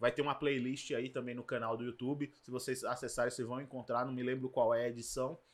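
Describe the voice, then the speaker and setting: A man talks at a very fast pace with monotone, flat intonation. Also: medium pitch for a man, hardly any pauses. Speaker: archaeologist and live lecture host. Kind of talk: online lecture. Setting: solo live stream from home. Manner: casual, filler-heavy.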